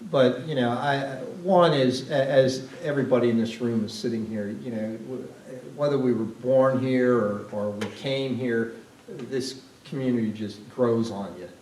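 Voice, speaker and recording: An older man, a retired downtown development president, speaking on a panel in a library event room, halting with many restarts and repeated words. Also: medium pitch, a little mellow. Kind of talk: panel discussion answering questions. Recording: roomy, distant mic, faint hiss.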